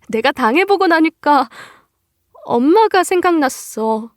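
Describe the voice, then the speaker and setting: A woman's voice: very high voice, dry recording, clean studio sound, pitched above the performer's own voice, full character voice. A woman voicing a desperate young adult daughter who pleads tearfully with her mother.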